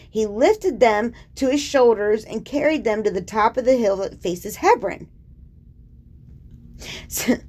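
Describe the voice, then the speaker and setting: A woman's voice: mid-range voice, a little mellow. A young woman hosting a casual scripture commentary, chatty and sarcastic, filling her talk with "like.". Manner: chatty and sarcastic, heavy use of "like". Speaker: host.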